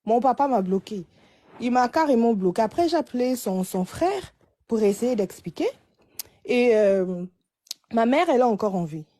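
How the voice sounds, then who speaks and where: Calling in for advice, this late-twenties woman has a slightly high, mellow voice and speaks expressively at a moderate pace. Her account comes out hesitantly, with frequent restarts.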